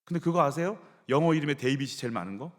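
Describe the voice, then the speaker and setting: Male pastor, sermon delivery, lively and expressive, slightly higher voice. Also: rapid-fire, big-room sound. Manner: animated storytelling, acting out quoted voices. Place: church sanctuary.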